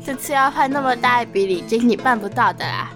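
A woman's voice: a little high, expressive, fairly quick, lightly acted. A woman voicing a skeptical lamp genie who sets firm terms in a children's storybook. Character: lamp genie, skeptical, stern taskmaster to its master. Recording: music behind the voice.

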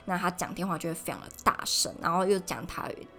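A young woman from Taiwan, chatting casually on her solo podcast from home and telling stories in an animated way. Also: on the low side, fast talker, vocal fry, soft background music. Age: young adult. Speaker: podcast host.

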